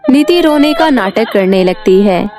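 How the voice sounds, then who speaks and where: A woman narrating a storybook cartoon in a clear, steady storytelling voice. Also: medium pitch, a little slow, music in the background.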